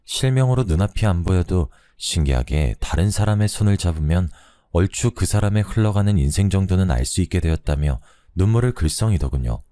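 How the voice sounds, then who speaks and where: A man calmly narrating a first-person story. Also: sits low, brisk, no room sound, clean studio sound.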